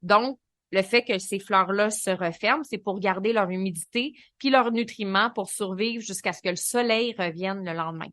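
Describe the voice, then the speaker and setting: A woman with a Québécois French accent hosting a solo podcast, coaching in a lively, colloquial way. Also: medium pitch, moderate pace, dry recording. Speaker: podcast host and business coach.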